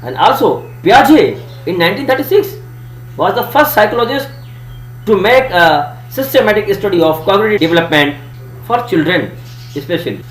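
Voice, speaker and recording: A man with a South Asian accent, a native Urdu speaker, delivers a lesson as a presenter. His voice sits high and swings widely as he stresses key terms in a didactic way. The room is echoey around him. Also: sing-song, moderate pace. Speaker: student presenter giving a lesson. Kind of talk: educational presentation. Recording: echoey room, faint hum and hiss.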